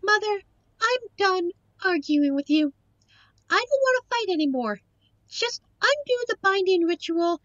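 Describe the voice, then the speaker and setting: Audio roleplay heroine: young succubus daughter, played by a woman, piping high voice, pleading yet defiant, muffled lo-fi sound. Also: lively intonation, a little slow, fairly bright tone, no room sound, full character voice. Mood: firm, weary. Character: sweet, defiant young succubus daughter protecting her lover. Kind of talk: scripted audio roleplay acting.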